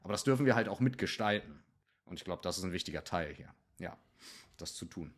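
A man's voice: low voice, animated, quick pace. A man talking as a podcast guest and meditation teacher, reflective and loose, dropping English slang into casual talk.

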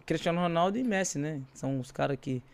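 A man with a Brazilian accent, chatting casually as an interview guest, tells animated stories in slangy, informal speech. His voice is a little high, fast, and smooth, with vocal fry.

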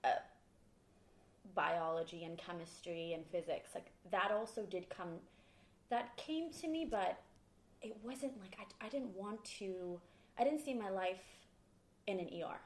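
A woman from Sweden, a podcast guest, telling her story in a lively, candid way. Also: medium pitch, unhurried, roomy sound. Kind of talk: casual interview talk.

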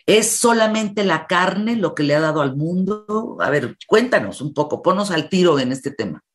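A woman's voice: on the low side, expressive, normal speed. A woman with a Mexican accent hosting a conversational radio interview in a colloquial, effusive and affectionate way. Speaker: radio show host.

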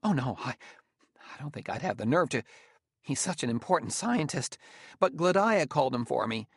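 A male narrator acts out a fretful, aggrieved spacer in a science fiction story. The voice sits well above his natural pitch and jumps around with flustered, defensive pleading. It is recorded very dry and close. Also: big pitch swings, moderate pace, husky, dry recording. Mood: nervous. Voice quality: squeaky when agitated. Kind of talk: audiobook character dialogue.

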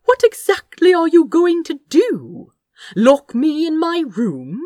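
A woman's voice: high-pitched, big pitch swings, slow, warm tone, no echo, clean studio sound, voice pushed up, full character voice. A woman voicing a principled younger prince in an audiobook, defiant and indignant, with a tart, insistent, disapproving manner.

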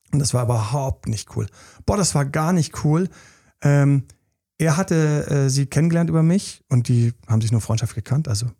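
Host, male, mid pitch. Gravelly, husky, dark tone; candid storytelling with fillers. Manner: candid, many fillers, emphatic repetitions. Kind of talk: casual personal storytelling.

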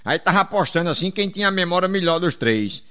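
A man reels off one joke after another in a high, lively voice. He shifts his pitch for each character and stretches out his catchphrase between jokes. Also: fast. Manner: animated, jumps in pitch for each character, drawls the refrain. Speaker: joke teller. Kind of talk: telling jokes with a stock refrain.

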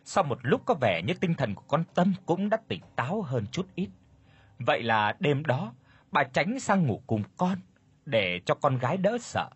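A man narrating a ghost story in a dramatic, expressive storytelling manner. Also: a little high, unhurried, husky, no echo.

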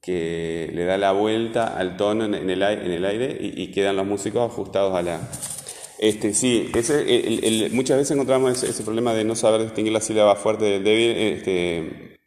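A man's voice: lowish voice, moderate pace, darkish tone. A man with a Rioplatense accent, a teacher questioning a student and explaining concepts with many fillers. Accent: Rioplatense Spanish. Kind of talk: interviewing a student in class. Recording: echoey room with long reverb.

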